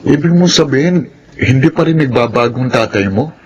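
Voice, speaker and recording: Casting: actor as a generous uncle, mid-pitched, concerned. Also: male voice, animated, moderate pace, muffled recording, slight background noise, lightly acted. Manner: warm, concerned.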